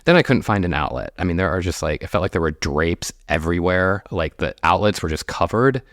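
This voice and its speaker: A man hosting his own podcast, telling a personal story in a chatty, animated way and laughing often. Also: deep voice, a little fast, no room sound, clean studio sound. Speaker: podcast host.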